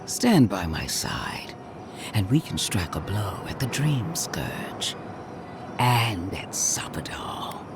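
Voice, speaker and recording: Righteous zealot commander, measured pace, swooping declamatory delivery, music underneath. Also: male voice, fairly low pitch, very animated, whispered. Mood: zealous, hushed intensity. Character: stern, zealous male commander, crusading against corruption. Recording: game audio with music behind.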